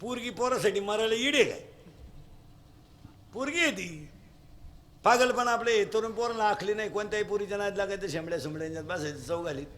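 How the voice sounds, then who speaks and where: A man's voice: high voice, a little fast, long pauses, a little hiss or hum. A man preaching a humorous devotional kirtan sermon, mocking and mimicking people as he talks. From Maharashtra. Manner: lively, mocking, mimics people in their own voices.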